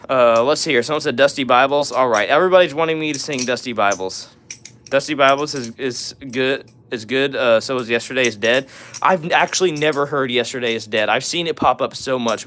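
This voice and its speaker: A raspy young man hosting a live stream, reading viewer messages aloud and answering them in casual talk with lots of "all right" and "uh". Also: medium pitch, fairly bright tone, slight background noise. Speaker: livestream host.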